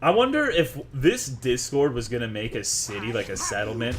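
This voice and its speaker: Here the Texas streamer sounds animated, his mid-range, fairly bright voice moving at a moderate pace as he swaps profane jokes with chat over a game. A little hiss or hum sits under the casual stream talk.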